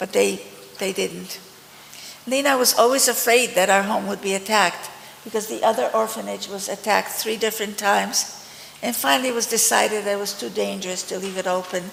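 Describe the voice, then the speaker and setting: Someone with a Polish accent speaks at a fairly quick pace over noticeable background noise. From Poland, then New Jersey from age 11. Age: 80s+. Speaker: Holocaust survivor speaker. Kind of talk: reading aloud from own memoir; testimony.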